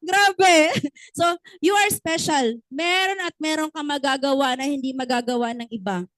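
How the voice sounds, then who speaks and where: A woman's voice: high-pitched, moderate pace, fairly bright tone, no room sound, low-quality recording. A woman giving a motivational business training talk, often asking the audience questions and acting out little stories.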